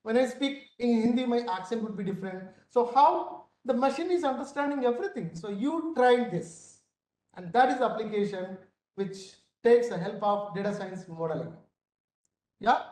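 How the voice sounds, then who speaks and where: A man's voice: extremely high pitch, lively intonation, moderate pace, darkish tone. Male instructor, South Indian accent, didactic online-lecture delivery, echoey room sound. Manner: didactic, repeatedly checking with "right?". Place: indoor room, video call. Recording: roomy, echoing webcam-call sound.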